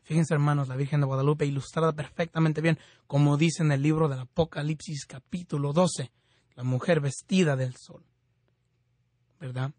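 A man's voice: on the high side, fairly even intonation, normal speed, darkish tone, no room sound. A man hosting a Catholic radio show, speaking fervently in prayer and teaching with frequent restarts. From California.

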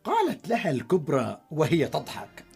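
A woman narrating a children's radio story in a measured, expressive storytelling manner. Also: low voice, gravelly, husky, faint music behind.

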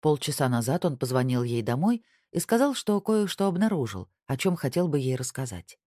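Mellow, dry audiobook narrator. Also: medium pitch, very animated, brisk, dry recording. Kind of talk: scripted narration.

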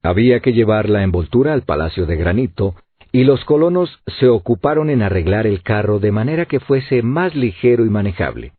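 Man, audiobook narrator, low voice, husky, lively delivery, tinny phone-like dry sound. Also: brisk, no echo. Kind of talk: scripted narration.

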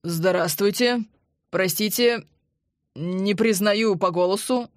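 A woman's voice: mid-range voice, no echo, clean studio sound, lightly acted. Woman putting on a flustered old colonel. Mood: startled. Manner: flustered, halting. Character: older retired male colonel, flustered.

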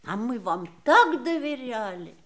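Genteel wounded woman, fairly high voice, plaintive, exclamatory, theatrical radio play dialogue. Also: sing-song, a little slow. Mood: shocked, disbelieving. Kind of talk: theatrical audio drama dialogue.

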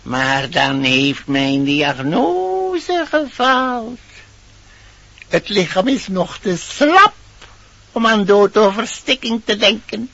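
Self-important cat physician, very high voice, extremely slow solemn delivery, old muffled radio-play sound. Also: male voice, gravelly, pushed and bright, full character voice. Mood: grave, clinical. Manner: pompous, slow formal declamation. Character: learned male tomcat doctor, solemn and self-important. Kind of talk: theatrical Dutch fairy-tale radio play.

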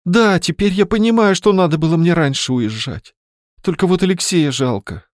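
Man putting on high voice of an anxious young woman, pleading, dry sound. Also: normal speed, no room sound, lightly acted. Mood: resolved. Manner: pleading, raised falsetto.

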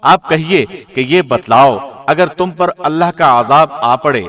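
A man reading a scripture translation from a script in a measured, formal radio-presenter manner. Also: a little high, a bit bright. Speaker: translation reader.

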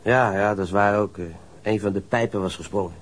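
A man's voice: fairly low pitch, fairly even intonation, brisk, lightly acted. An actor playing a surly, defensive young male ship's stoker in a radio crime drama, coarse and sullen, stammering when riled. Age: young adult.

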